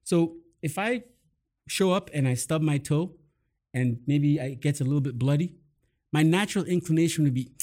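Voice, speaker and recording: A man hosting a casual chat, explaining mindset habits in an upbeat, quick way. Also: fairly high pitch, a little mellow. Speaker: host and mindset coach.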